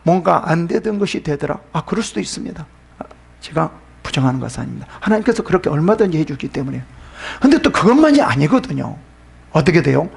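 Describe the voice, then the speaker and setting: A man's voice: high-pitched, vocal fry, darkish tone, slightly rough. A male pastor preaching a sermon, asking the congregation questions and answering them himself, often dropping to a whisper.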